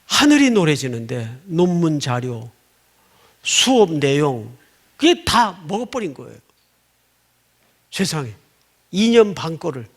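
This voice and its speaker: Animated male pastor with gravelly voice. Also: on the high side, takes it slowly, long pauses. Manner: storytelling with dramatic swings, acting out shouts and whispers; asks the congregation "예?" for response. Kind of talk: sermon.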